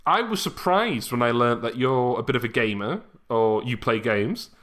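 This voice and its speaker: A man's voice: medium pitch, expressive, moderate pace, a bit bright. A man hosting a podcast, chatting casually as he interviews a guest. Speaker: podcast host.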